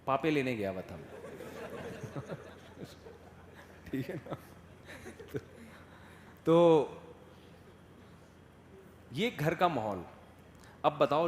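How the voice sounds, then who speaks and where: A male Islamic scholar giving a religious lecture, moving between loud emphatic points and soft acted asides, often asking listeners if they follow. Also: mid-range voice. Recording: echoey hall with long reverb and faint noise.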